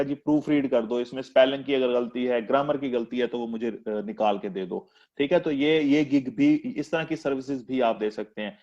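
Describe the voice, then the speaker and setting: A man's voice: mid-range voice, darkish tone, dull audio. A man teaching a live online freelancing class in a chatty, teasing, rhetorical way. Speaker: freelancing instructor.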